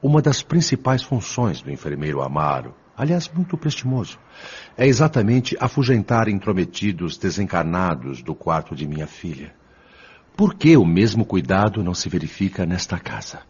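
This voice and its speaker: Audio drama part: respectful older male spirit, played by an actor, deep and heavily raspy, formal, earnest questioner, lo-fi sound. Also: very animated, normal speed, a little mellow, exaggerated voice. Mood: humble, inquiring. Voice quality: husky, rough. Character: earnest, respectful older father spirit, eager humble student. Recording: dull lo-fi audio.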